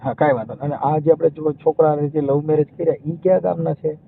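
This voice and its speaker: A man's voice: fairly high pitch, steady tone, fast talker, gravelly. A man talking as a social worker taking a call, in a phone conversation. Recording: narrow, muffled phone-call line.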